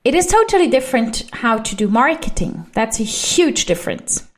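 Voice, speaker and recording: A woman's voice: fairly high pitch, very animated, moderate pace. A woman from Switzerland, Swiss German her first language, speaking English with a Swiss German accent as she hosts a solo podcast in a chatty, rambling way, often correcting herself mid-sentence. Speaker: podcast host.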